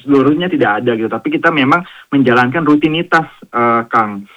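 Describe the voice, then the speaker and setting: A man from Jakarta answering questions as a radio guest, hesitant and friendly, full of pauses. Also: medium pitch, lo-fi sound. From Jakarta, Indonesia. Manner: hesitant, many fillers and restarts, friendly. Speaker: guest, founder of a swimming community.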